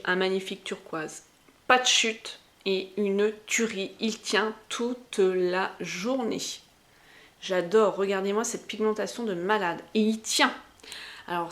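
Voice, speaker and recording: A woman with a Berrichon accent from the Berry region of France, chatting casually as a beauty vlogger showing makeup she bought. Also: mid-range voice. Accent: Berrichon French. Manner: chatty, enthusiastic, slangy.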